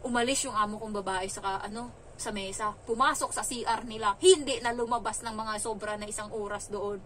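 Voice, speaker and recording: A woman's voice: fairly quick, a little hiss or hum, rough recording. A young woman vlogger, a domestic helper, casually retelling a story and acting out the lines she quotes. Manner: animated retelling, raising her pitch for quoted lines. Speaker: domestic helper telling about her employers.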